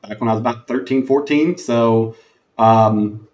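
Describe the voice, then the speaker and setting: A man in his thirties speaks with a Texan accent at an ordinary pitch. He is easygoing and self-deprecating, with frequent fillers. He answers as a relaxed podcast guest. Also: a little slow. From born in Germany, raised in the US. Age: 30s. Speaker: guest, IT business owner.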